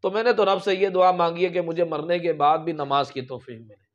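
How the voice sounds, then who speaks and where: A man's voice: fairly high pitch, steady tone, brisk, lo-fi sound. A man preaching a sermon, telling religious stories with emphatic raised peaks. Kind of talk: storytelling sermon.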